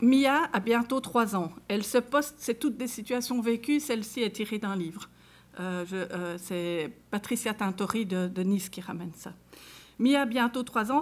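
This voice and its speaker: A woman's voice: mid-range voice, a little hiss or hum. A woman with a Belgian French accent giving a conference talk, speaking conversationally to the audience and reading example cases aloud. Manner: conversational, addresses listeners directly and reads case examples aloud. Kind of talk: lecture to a live audience.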